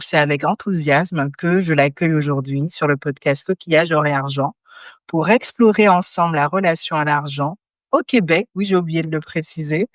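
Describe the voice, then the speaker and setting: A woman hosting a podcast, reading a clear, upbeat introduction and asking her guest questions. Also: deep voice, no echo, clean studio sound. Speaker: podcast host. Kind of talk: scripted podcast intro then interview.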